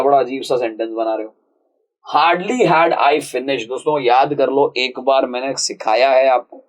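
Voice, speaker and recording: Male tutor, exam-prep grammar lesson, chatty and informal, voice sits a bit high. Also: rough recording. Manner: casual, chatty, calls viewers friends and brother; reads English sentences out slowly, then explains quickly. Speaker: English grammar teacher.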